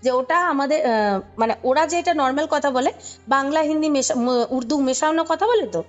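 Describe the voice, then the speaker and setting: A woman's voice: high voice, normal speed, muffled recording. A woman with a Kolkata Bengali accent recounting a story conversationally, explaining as she goes and checking in with the listener. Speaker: podcast guest recounting a ghost story.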